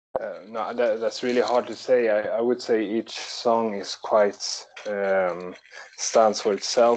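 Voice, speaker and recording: Speaking very slowly in a flat monotone, a man with a Swedish accent and a medium-pitched voice is heard over light background noise. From Sweden. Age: 30s. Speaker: musician; interviewee. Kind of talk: interview. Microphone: video call.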